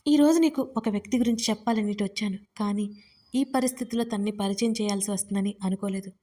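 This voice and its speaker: A woman's voice: mid-range voice, fast, lightly acted. A woman narrator voicing a distraught young woman who pleads with and scolds her friend through tears. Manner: tearful, pleading, shouting.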